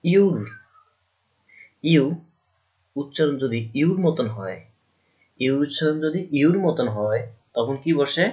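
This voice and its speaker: A man's voice: fairly high pitch, lively intonation, slow, pauses often, a little mellow. A man from Bangladesh, teaching a grammar lesson to students. He keeps asking questions and answering them himself, and he repeats the key points.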